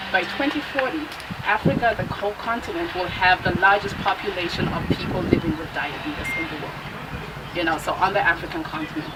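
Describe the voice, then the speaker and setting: A woman from Zimbabwe, a nutritionist, giving a lively workshop talk with a loud voice, asking the audience questions. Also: medium pitch. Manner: engaging, asks the audience questions. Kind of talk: public talk to a live audience. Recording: distant mic with loud traffic noise outdoors.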